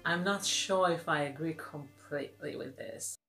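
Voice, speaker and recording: Low-voiced woman asking probing questions. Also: normal speed, sharp tone, faint music behind. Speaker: interviewer. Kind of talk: casual conversation.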